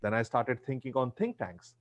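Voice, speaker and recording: A man's voice: medium pitch, big pitch swings, moderate pace, no echo. A middle-aged man with an Indian accent, whose first language is Punjabi, answers questions over a video call. He speaks earnestly, restarts and repeats phrases, and his mid-range voice sounds dry and close. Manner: earnest, advisory, repeats himself. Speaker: guest speaker.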